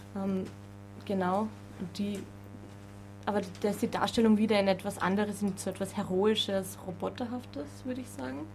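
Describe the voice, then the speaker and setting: Her pace is moderate. The woman leaves long, frequent pauses as she speaks. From Austria, Vienna. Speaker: university student. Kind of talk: panel discussion. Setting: studio.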